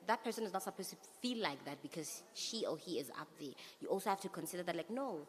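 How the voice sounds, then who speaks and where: A woman's voice: fairly low pitch, lively intonation, quick pace. A young woman speaking as a panelist in a youth discussion, hesitant and full of fillers as she searches for words. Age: young adult. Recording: long hall reverb.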